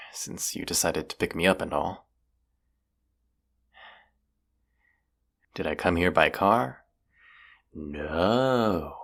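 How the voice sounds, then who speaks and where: A cocky young vampire hunter acted by a man for an audio roleplay. His voice sits very deep, with heavy gravelly fry. He talks in casual slang, teasing and sarcastic, and is quick to mock himself. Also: full character voice.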